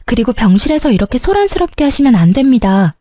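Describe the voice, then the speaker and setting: A woman voicing a hospital nurse who asks for quiet firmly and politely. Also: a little high, sing-song, fast, no room sound. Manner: firm and polite.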